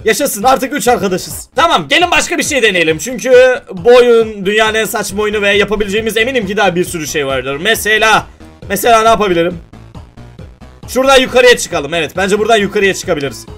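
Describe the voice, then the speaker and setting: A man giving playful, excitable let's-play commentary at his computer, often exclaiming and laughing as he talks to viewers. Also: sits high, fast talker, soft background music. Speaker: gaming YouTuber.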